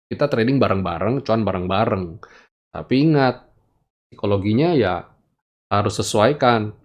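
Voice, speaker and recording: Blunt, animated trading coach. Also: male voice, normal speed, highs cut off. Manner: animated, wide swings in pitch, blunt warnings. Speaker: stock trading educator. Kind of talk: casual market commentary over charts.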